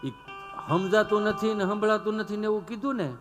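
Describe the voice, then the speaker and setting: A man performing comic storytelling live on stage, animated and constantly turning to the audience as 'sir' with rhetorical asides. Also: high voice, a little fast, over music. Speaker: stand-up comedian.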